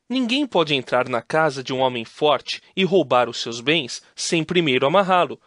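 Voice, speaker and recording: An earnest grown teacher with a somewhat high, animated voice. He speaks with calm authority in an audio Bible drama. Music plays clearly underneath.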